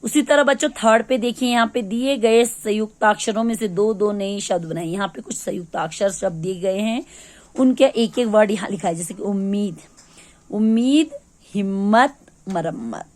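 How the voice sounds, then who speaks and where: A woman's voice: mid-range voice, moderate pace, a little mellow. A woman teacher from Ladakh in India, patiently going through a lesson's answers step by step for young pupils. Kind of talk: classroom lesson explanation.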